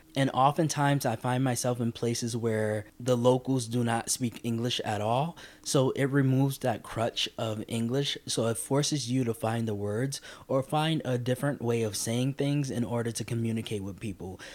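This man has a plain, everyday voice at a medium pitch with fairly even intonation. He keeps a moderate pace with hardly any pauses. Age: 30s. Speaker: podcast host and YouTuber. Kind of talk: casual monologue.

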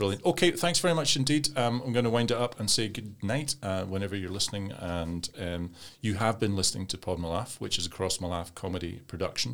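A man speaks with a Scottish accent and a fairly low pitch. His intonation is lively. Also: fairly quick pace, hardly any pauses. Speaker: podcast host. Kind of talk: casual comedy chat. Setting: studio.

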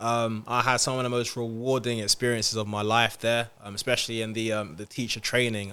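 A man with a British accent, medium pitch and a bright, sharp tone, fairly even intonation at a moderate pace, in a very clean recording with a silent background. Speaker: copywriter, author and rapper. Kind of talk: casual interview chat.

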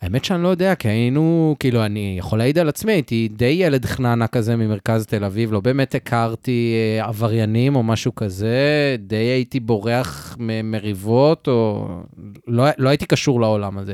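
A man with an unremarkable speaking voice talks at a moderate pace and medium pitch with ordinary pitch variation, the sound dry and close with no echo in a very clean recording with a silent background. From Israel, central Tel Aviv. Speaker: criminal defense lawyer. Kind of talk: casual chat.

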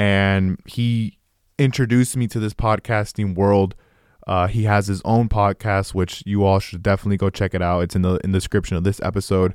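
A man's fairly quick, fairly even speech with an American accent, a normal speaking voice and a fairly low pitch, in a dry, close sound with no echo. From Florida. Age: 20s. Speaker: student podcast host. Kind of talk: podcast interview.

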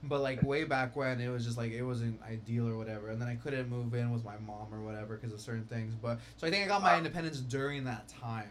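There is noticeable background noise as a man talks at a very fast pace with hardly any pauses. His pitch is medium, with ordinary variation. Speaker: podcast host. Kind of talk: casual chat. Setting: video call. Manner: loud.

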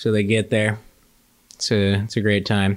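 A man talks at a moderate pace with an American accent. His intonation stays flat and monotone. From United States. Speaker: podcast co-host. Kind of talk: casual chat.

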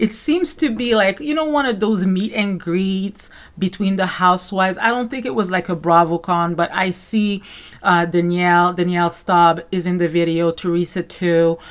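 Speaking at a moderate pace, a woman with a Caribbean French accent uses a fairly low pitch and ordinary pitch variation. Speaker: podcast host, reality TV commentator. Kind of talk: solo podcast monologue.

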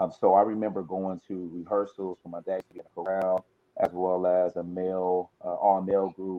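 In a very deep, low pitch, a man speaks with monotone, flat intonation. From Detroit. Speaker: singer. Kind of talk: interview.

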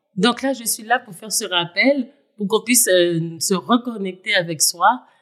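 At a fairly slow pace, a woman uses a normal speaking voice at medium pitch with lively intonation. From Haiti. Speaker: image consultant. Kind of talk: interview.

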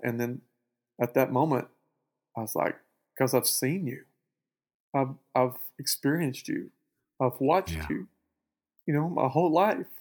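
With a Southern US accent, a man at medium pitch talks at a moderate pace, his intonation lively and broken by long, frequent pauses. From US South, Arkansas and northern Louisiana. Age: 50s. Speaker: former student pastor and worship leader. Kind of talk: podcast interview, personal testimony.

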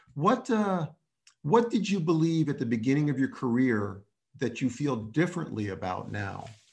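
Somewhat breathy and fairly high-pitched, a man with an American accent swings his pitch very widely. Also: moderate pace. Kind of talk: interview.

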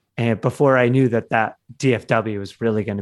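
With an American accent and a normal speaking voice, a man talks at a moderate pace, fairly low in pitch with ordinary pitch variation. The recording is very clean, with a silent background. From Michigan, US. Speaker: artist. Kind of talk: casual chat.

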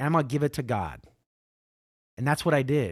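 An energetic, enthusiastic man's voice, very cleanly recorded against a silent background, the sound dry and close with no echo. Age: 40s. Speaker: podcast host. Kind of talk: casual interview chat.

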